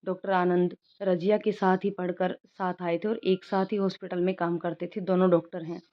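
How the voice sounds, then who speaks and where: A woman narrating an animated moral story in a plain, steady storytelling voice. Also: lowish voice, normal speed. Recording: dull lo-fi recording.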